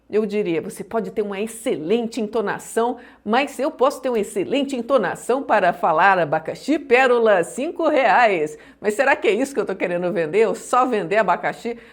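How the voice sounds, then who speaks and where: A woman's voice: medium pitch, darkish tone. A woman teaching an online course on public speaking, explaining points emphatically and often checking that listeners follow.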